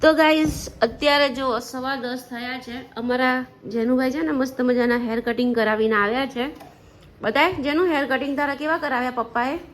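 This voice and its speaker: Chatty high-voiced mother vlogging. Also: steady tone, normal speed. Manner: chatty, laughs often. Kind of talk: casual family vlog. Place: family home, indoors.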